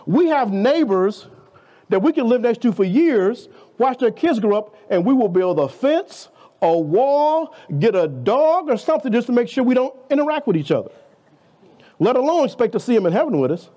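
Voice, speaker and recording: Guest preacher, man in his fifties, high tenor with a very animated delivery, conversational sermon style. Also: normal speed. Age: 50s. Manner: conversational preaching, rhetorical questions, playful asides.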